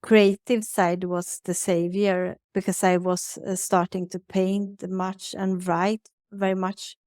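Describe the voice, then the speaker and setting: A Swedish woman in her thirties, a native Swedish speaker, talks haltingly in English as an interview guest, searching for words. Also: on the low side, level tone, darkish tone, no echo, studio quality. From Sweden. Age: 30s. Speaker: guest, spiritual advisor. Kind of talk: conversational interview.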